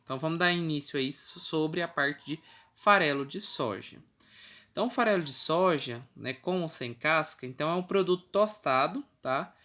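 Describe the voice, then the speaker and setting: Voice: mid-range voice, normal speed, pushed and bright. A teacher with a Brazilian Portuguese accent giving a recorded class, explaining step by step with frequent checking tags and the odd self-correction. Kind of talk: recorded online class lecture.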